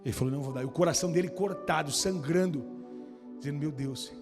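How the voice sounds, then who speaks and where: A man preaching a sermon as pastor, moving between quiet storytelling and shouted, fervent exhortation in a church. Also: on the high side, fast. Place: church hall. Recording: long church reverb, music behind.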